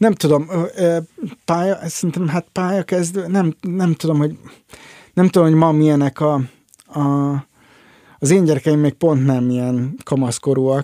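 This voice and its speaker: Long, frequent pauses mark this man's speech, his fairly high pitch carrying a dark, mellow tone with ordinary variation. The sound is dry and close, with no echo. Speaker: poet. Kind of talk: interview. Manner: hesitant with many fillers.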